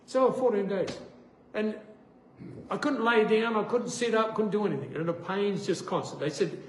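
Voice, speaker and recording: A man giving a sermon testimony, an animated storyteller who acts out the voices in his stories. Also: high-pitched, normal speed. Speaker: preacher. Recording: echoey room with faint noise.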